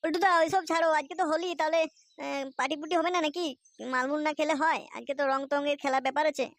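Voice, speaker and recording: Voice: high voice, steady tone, fast, a bit bright, dry recording. An actor voicing a carefree, boastful, boozy layabout father in a comic cartoon, with a West Bengal accent and slangy, cajoling banter.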